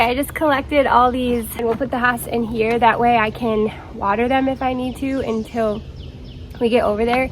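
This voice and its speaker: A woman vlogging in her garden, chatty and excited, a little out of breath as she rambles. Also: on the high side, slight background noise. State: slightly out of breath. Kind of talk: casual vlog chat. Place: outdoors in a shade garden.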